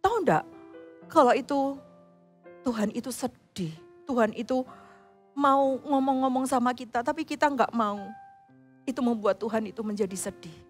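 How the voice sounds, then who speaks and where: A woman telling a Bible story to children in church, animated and acting out the quotes. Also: fairly high pitch, moderate pace, pauses often, faint music behind. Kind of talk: sermon to children.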